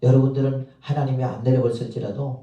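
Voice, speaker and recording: A man's voice: mid-range voice, flat delivery, fast talker, mellow. A man preaching a sermon as pastor, telling stories and acting out the people he quotes, chuckling now and then. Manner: storytelling, acts out quoted voices, chuckles. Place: church sanctuary. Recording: echoey, from far off in a church hall.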